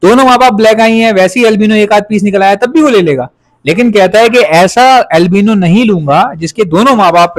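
A man's voice: high voice, no echo. A man from Pakistan with a Pakistani Urdu accent, a pet breeder chatting casually in his vlog and repeating points for emphasis.

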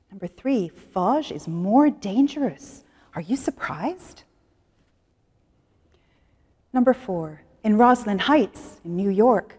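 A middle-aged woman teaches an English class from a studio. She speaks slowly, with a lively rise and fall in her voice. A long reverb trails after her words. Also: a little high. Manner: slow, clear and expressive, guiding students through exercises. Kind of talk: classroom lesson presentation. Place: studio in front of a plain wall.

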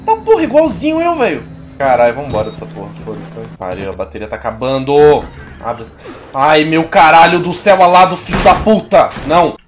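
A man in his thirties from Brazil streaming a horror game, swearing constantly and yelping in fright, his voice going hoarse. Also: fairly high pitch, very animated, fairly quick, a little hiss or hum. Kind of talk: live gameplay commentary. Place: home streaming room. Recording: game music underneath.

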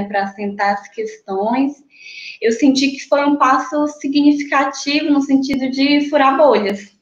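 A young Brazilian woman with a high voice, a graduate researcher, talks on a casual academic panel via video call from a small indoor room at home. She's reflective, often using fillers and restarting sentences, and her laptop webcam sound is echoey, dull and lo-fi.

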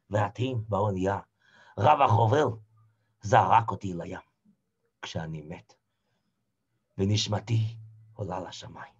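A man playing a desperate old Hasid. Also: on the high side. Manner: swings from hushed murmurs to shouted cries. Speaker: storyteller actor. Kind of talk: dramatic first-person theatrical storytelling. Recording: dull lo-fi recording.

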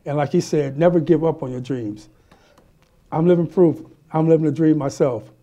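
A middle-aged man hosting a casual talk show in a small studio, animated, laughing often and stammering as he repeats words. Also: fairly high pitch, normal speed. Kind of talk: casual interview chat. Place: small studio set with city backdrop, indoors.

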